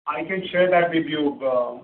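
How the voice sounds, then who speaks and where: Halting executive on an echoey line. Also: male voice, a little high. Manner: halting, many fillers. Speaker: company executive answering analysts. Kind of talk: earnings call answers. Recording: echoey, distant, phone-line audio with faint hiss.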